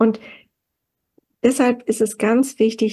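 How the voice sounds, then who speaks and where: In a somewhat breathy voice with a dark, mellow tone, a woman talks at a medium speed. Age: 70s. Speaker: pediatrician and psychotherapist. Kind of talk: interview.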